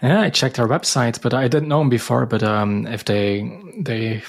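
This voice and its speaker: A man co-hosts a podcast with short remarks and deadpan puns. His voice is gravelly and somewhat husky. It sits in a middle register. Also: medium pitch, normal speed. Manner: dry punning humor, brief remarks. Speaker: podcast co-host. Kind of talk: casual chat.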